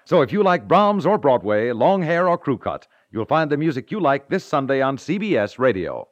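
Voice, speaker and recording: A man working as a 1950s radio network announcer, reading a scripted promo with polished, measured delivery. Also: medium pitch, very animated. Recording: dull, dry 1950s radio recording.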